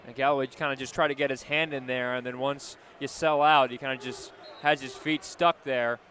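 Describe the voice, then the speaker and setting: A man's voice: medium pitch, steady tone, a little fast, fairly bright tone, slight background noise. An American man giving live basketball analysis as a color commentator.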